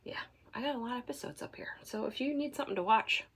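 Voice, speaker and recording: A woman from Michigan hosting a knitting podcast, chatting casually to camera at home while congested, rambling with fillers and soft asides. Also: on the high side, fast, gravelly, slightly rough. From Michigan, USA.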